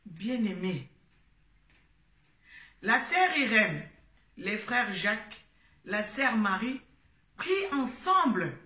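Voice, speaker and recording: Slow, bright-voiced woman host in an echoey room. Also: mid-range voice, sing-song. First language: Lingala. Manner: hesitant, with frequent fillers and restarts. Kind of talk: addressing listeners as a churchgoing sister, retelling a story. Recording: roomy echo, distant mic.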